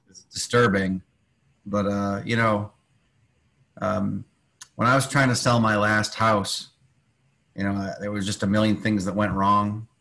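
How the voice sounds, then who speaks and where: A man's voice: fairly low pitch, a bit bright. A man sharing his opinion reflectively and conversationally in a group call, often adding filler phrases. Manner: conversational, punctuated with "you know".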